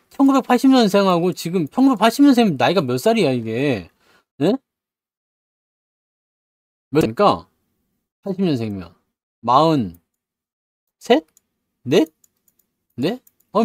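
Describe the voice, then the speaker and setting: A man's voice: on the high side, darkish tone, dry recording, clean studio sound. Chatty man greeting stream viewers. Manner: chatty, joking, laughs often, reads viewer names. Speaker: stock market livestream host. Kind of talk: casual live-stream chat greeting viewers.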